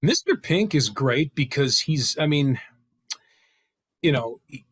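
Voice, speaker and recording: Middle-aged man chatting haltingly, dry close sound. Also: medium pitch, animated, a bit bright, breathy edge, no room sound. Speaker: table read participant. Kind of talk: casual chat. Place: at home on a video call. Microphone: video call.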